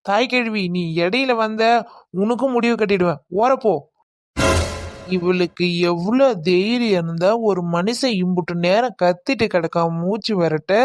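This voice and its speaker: A woman voicing a loud drunk village husband who blusters and threatens with slurred swagger. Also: medium pitch, no echo, studio quality, natural voice. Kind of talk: cartoon comedy voice acting.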